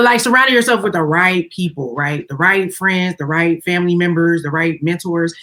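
Low-voiced woman, African American English accent. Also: a bit bright. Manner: emphatic, repeats phrases, frequently checks in with "right?" and "okay?". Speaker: podcast host. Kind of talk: casual motivational chat.

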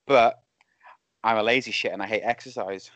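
A man in his thirties with a lisp, talking casually as a podcast guest over a remote call, self-deprecating and halting. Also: fairly low pitch, steady tone, a bit bright, dry recording. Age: 30s. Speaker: podcast guest, wrestling referee. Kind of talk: casual chat. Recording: dull lo-fi call audio.

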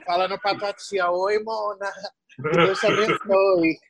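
A young adult woman from Salvador, Bahia, a tired guest artist talking in an animated, slangy way full of restarts. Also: mid-range voice, measured pace, a crowd in the background. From Salvador, Bahia, Brazil. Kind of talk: casual conversation.

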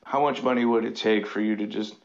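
A man calling in to a talk show, his low voice gravelly with fry. He hesitates and fills his sentences with "um" and "like." The line is dull and muffled. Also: steady tone, a little fast. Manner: hesitant, filler-heavy. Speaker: caller. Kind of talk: casual phone call.

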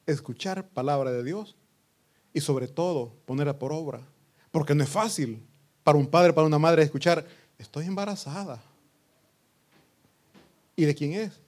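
A pastor preaching a sermon to his congregation, breaking into loud outbursts and acting out what people say. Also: a little high. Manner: preaching with sudden loud outbursts and acted quotes.

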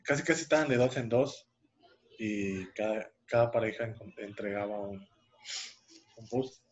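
A man's voice: fairly low pitch, moderate pace, a little hiss or hum. A young man tells a personal story on a podcast, rambling with restarts and fillers. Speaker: podcast co-host. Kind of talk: casual storytelling. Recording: dull lo-fi sound.

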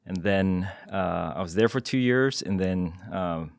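A Singaporean man with a notably low, gravelly voice answers a podcast host's questions as a guest. He speaks in a modest, measured way, pausing often with small hesitations. The studio is dry, with no echo.

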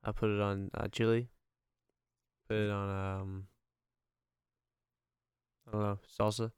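Smooth low male voice with fry. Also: flat delivery, unhurried, no echo, studio quality. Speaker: podcast co-host. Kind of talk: casual podcast banter.

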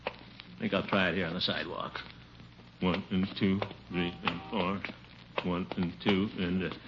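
A pompous, self-satisfied middle-aged bachelor, swooping wildly up and down as he boasts in an old radio sitcom. His giggling laugh fits the blustery manner. The old broadcast sounds muffled and hissy. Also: on the low side. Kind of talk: 1950s radio sitcom acting.

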